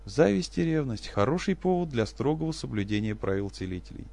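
A man's voice: medium pitch, sing-song, a little fast, vocal fry, a little mellow, pitched above the performer's own voice. Man voicing a dry young mercenary.

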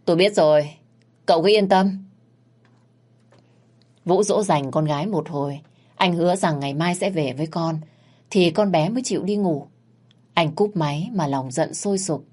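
A woman narrating a family drama in a gentle, sympathetic storytelling manner. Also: sits low, moderate pace, slightly rough. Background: faint music.

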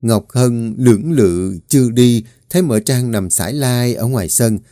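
A man narrating a family drama story in a calm, even storytelling voice. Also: medium pitch, unhurried, no room sound, studio quality.

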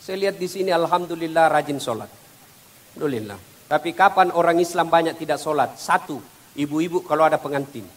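Seorang pria penceramah berlogat menyampaikan ceramah jenaka dengan gaya bercerita yang hidup. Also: male voice, fairly high pitch, brisk. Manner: animated storytelling, jokey. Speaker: preacher. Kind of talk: humorous sermon.

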